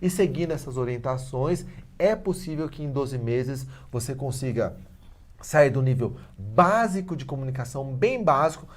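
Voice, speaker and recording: A middle-aged man, a guest on a talk-show interview, explaining his teaching method in an animated, persuasive way. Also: mid-range voice, normal speed. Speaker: guest, head of a language school.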